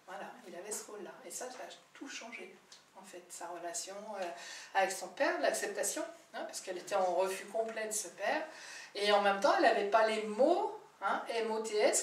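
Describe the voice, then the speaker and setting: A woman therapist telling client stories in a chatty, animated way, with many fillers and restarts. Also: medium pitch. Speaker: birth-history therapist. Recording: roomy, distant mic with faint background noise.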